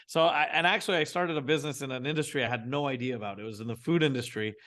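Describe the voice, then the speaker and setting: A man, telling his business story as a guest in a casual interview, animated and often restarting his sentences. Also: mid-range voice, racing. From Venezuela. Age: 40s. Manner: animated, frequent restarts, acts out his own thoughts. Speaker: guest entrepreneur.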